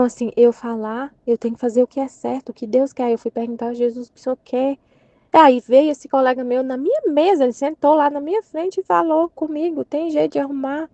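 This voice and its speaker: A woman's voice: high voice, warm tone, no room sound, muffled recording. A woman sharing a casual religious reflection in a conversational way, restarting her sentences and acting out quoted speech. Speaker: catholic channel presenter.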